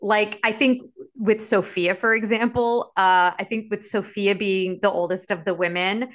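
A woman's voice: mid-range voice, fairly even intonation, normal speed. A woman in her late thirties hosting a casual talk show, chatty, with many fillers and restarts. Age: 30s. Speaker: podcast host. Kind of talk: casual chat.

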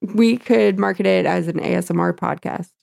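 A woman co-hosting a podcast in casual chat, riffing in animated bursts. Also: fairly low pitch, moderate pace, gravelly, noisy background. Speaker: podcast co-host.

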